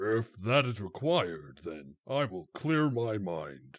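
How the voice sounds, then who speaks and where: Putting on a raspy character voice, a man talks at a fairly slow pace and fairly low pitch, with very wide pitch swings. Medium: audio drama. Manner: formal, measured, literal.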